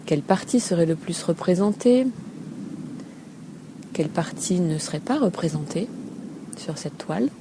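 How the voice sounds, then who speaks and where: A Feldenkrais teacher with a fairly low female voice improvises a guided body scan outdoors by a calm sea. She is gentle and unhurried, leaving hesitant pauses between short phrases. Steady seaside ambience and some seagulls fill the background.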